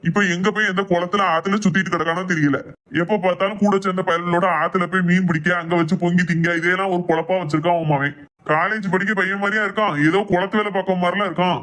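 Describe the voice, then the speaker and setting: A woman's voice: on the low side, pitched below the performer's own voice, natural voice. Woman putting on a laid-back cartoon dad. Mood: dismissive. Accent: Kanyakumari Tamil. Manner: dismissive, calm, quick. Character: laid-back fifty-year-old father, calm and indulgent.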